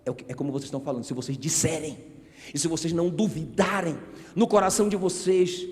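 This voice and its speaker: A man preaching a sermon as pastor, emphatic, asking the congregation rhetorical questions and calling on them to shout back. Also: on the high side, fast talker. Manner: asks the crowd rhetorical questions. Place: church sanctuary. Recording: reverberant church hall.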